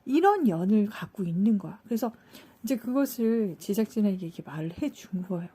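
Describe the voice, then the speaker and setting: Husky woman retelling a story casually. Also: mid-range voice, big pitch swings, brisk, dark tone. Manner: loose, filler-heavy storytelling, acting out quoted lines. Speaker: channel host.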